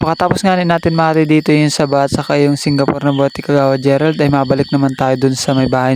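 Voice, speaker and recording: Words come out at a very fast clip. Behind them, background noise is noticeable. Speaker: vlogger. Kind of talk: casual vlog narration.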